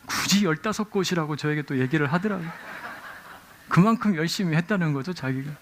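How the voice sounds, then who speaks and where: A middle-aged male pastor delivers a Sunday sermon with a voice that sits a little higher than most men's. He tells stories with energy, bursting into acted-out shouts and quoted lines as he preaches in a church sanctuary. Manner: animated storytelling with acted-out exclamations.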